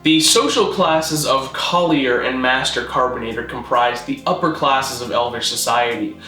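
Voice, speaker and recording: Bright, roomy male explainer voice. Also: mid-range voice, normal speed, soft background music. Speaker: presenter of a constructed-language video. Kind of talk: scripted narration, mock-documentary explainer.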